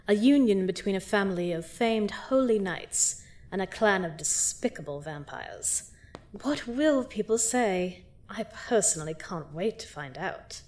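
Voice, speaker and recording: A woman's voice: mid-range voice, a little mellow, natural voice. A woman playing a seductive, gloating vampire queen in a fantasy audio drama, theatrical and mock-sweet as she menacingly toys with her captive. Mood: amused gloating. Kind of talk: scripted roleplay audio drama monologue.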